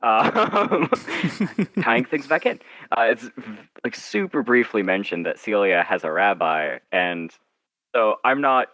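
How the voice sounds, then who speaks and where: A man with a low but bright voice talks casually as a guest author in an interview. He is wry and self-deprecating, stopping and starting and voicing little asides. The recording is dry. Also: expressive, slow pace, no echo, poor audio.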